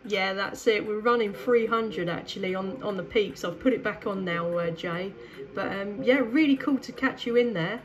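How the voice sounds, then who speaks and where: A woman's voice: mid-range voice, normal speed, crowd noise, rough recording. A woman with a southern English accent chatting casually and enthusiastically as a CB radio operator. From southeast England. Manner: enthusiastic, effusive. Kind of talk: casual two-way radio chat.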